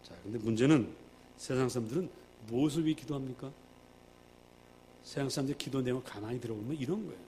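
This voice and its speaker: A male pastor preaching a sermon, emphatic, swinging between loud and hushed, acting out quoted prayers. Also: mid-range voice, fast talker, a little hiss or hum.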